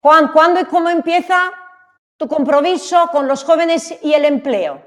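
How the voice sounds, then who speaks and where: A woman's voice: high-pitched, unhurried, a bit bright. A woman hosting a virtual awards event, putting questions to guests as the interviewer. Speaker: host, interviewer.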